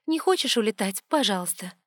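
A woman voicing an anxious, impulsive young heroine in an excitable, questioning manner. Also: medium pitch, fairly quick, dry recording, clean studio sound, natural voice. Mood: wary, wry. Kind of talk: audiobook dialogue.

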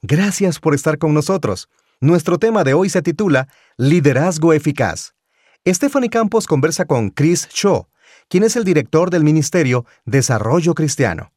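A man's voice: fairly high pitch, darkish tone, dry recording. A man hosting a radio program, reading a scripted introduction in a polished announcer delivery at a studio microphone. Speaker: radio show host.

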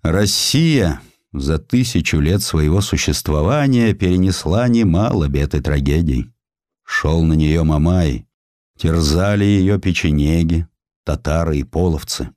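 Man playing a deep-voiced, grandiloquent Russian lawyer. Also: lively intonation, unhurried, darkish tone, dry recording, clean studio sound. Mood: mock-solemn pleading. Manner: oratorical, declamatory, rhetorical. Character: shrewd, blunt, grandiloquent male lawyer of Tsarist Russia.

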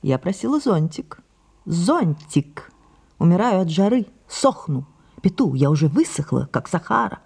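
A woman playing an imperious, capricious aging actress in an audio drama, breathy and languid, slipping into whispers. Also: on the low side, big pitch swings, a little slow, darkish tone, exaggerated voice. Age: older. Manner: languid and musing, then sharply commanding.

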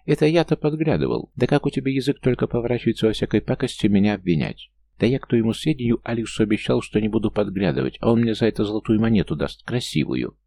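A man reading an audiobook voices a tiny male gnome trickster who is petty, squeaky and whines indignantly. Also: fast talker, vocal fry, warm tone.

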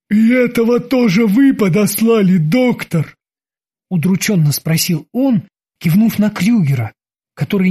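Husky, high-voiced male narrator. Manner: expressive storytelling reading. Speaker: audiobook narrator. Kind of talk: scripted narration.

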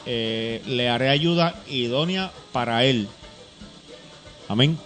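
A man's voice: mid-range voice, slow pace, a bit bright, faint music behind. A man co-hosting a Christian program, talking casually and explaining things with plenty of fillers. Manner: chatty and explanatory, many fillers. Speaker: co-host. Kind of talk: casual church talk-show chat.

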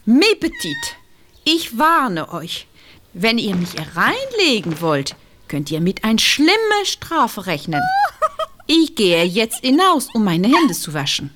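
Flustered French teacher. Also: female voice, a little high, huge pitch swings, takes it slowly, noisy background, heavily acted. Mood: exasperated. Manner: scolding, mixes in French phrases. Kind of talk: children's radio play acting.

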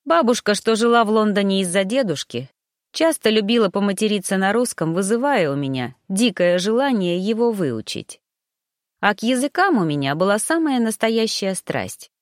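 A woman narrating a first-person story aloud, reading a gruff man's thoughts with expression. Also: medium pitch, sing-song, normal speed, no room sound, studio quality. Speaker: audiobook narrator.

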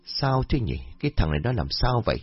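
A man voicing a calm, patient older village elder who reasons with others, in a storybook reading. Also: mid-range voice, fast talker, slightly rough, dry recording, muffled recording. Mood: calling. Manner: patient, mildly puzzled, persuasive.

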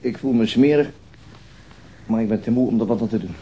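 An actor playing a weary, gloomy police detective in a radio drama, dry and sarcastic. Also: male voice, medium pitch, fairly quick, dark tone, dull audio, natural voice. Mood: tired, irritable. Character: weary, cynical male police detective, married, curtly sarcastic. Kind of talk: naturalistic radio drama acting. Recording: noisy old radio drama recording.

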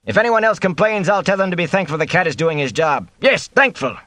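A man's voice: high-pitched, lively intonation, a little fast, fairly bright tone, dry recording, voice pushed up. A man voicing a flustered male innkeeper who pleads and protests. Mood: pleading, panicked.

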